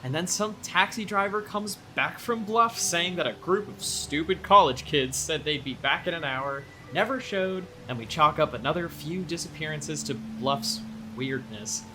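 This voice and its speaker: Woman acting lively, blunt small-town local. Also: deep voice, slight background noise, poor audio. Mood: ominous, scornful. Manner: casual, halting, animated. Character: casual, blunt small-town local, young adult, wary of outsiders. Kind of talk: audio drama, naturalistic dialogue.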